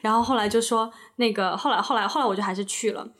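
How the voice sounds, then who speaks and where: Animated storytelling woman podcast host. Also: a little high, fast. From China. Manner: animated storyteller, laughs often. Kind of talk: casual chat.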